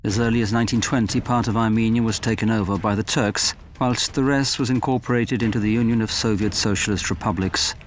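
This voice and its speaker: A man giving measured, formal scripted narration for a documentary. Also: lowish voice, fairly even intonation, a little hiss or hum. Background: music.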